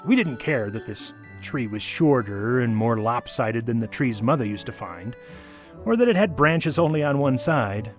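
A male storyteller with a mid-high voice gives a dramatic reading of a nostalgic memoir. He paces it deliberately, leaving pauses and leaning on key words. Faint music plays behind him. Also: lively intonation. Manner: measured, with deliberate pauses and emphasis.

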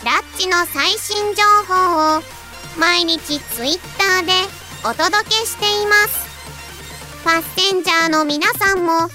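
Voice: very high-pitched, unhurried. A performer voicing a small cute mascot, reading a scripted announcement in character. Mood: cheerful. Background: loud children's-style music.

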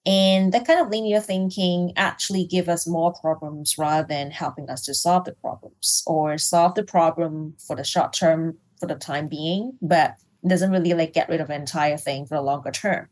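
A woman from Hong Kong, an executive coach, explaining her ideas thoughtfully in a business interview, pausing with fillers and restarting phrases. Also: sits low, darkish tone, poor audio.

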